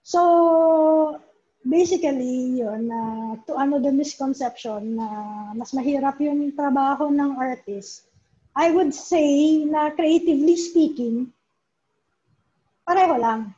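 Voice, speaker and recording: A high-pitched, slow, mellow female voice belongs to a Filipino comics writer being interviewed in a relaxed conversation. Talkative, she weaves English into her Tagalog and keeps checking in with "di ba?". Audio quality is dull and lo-fi.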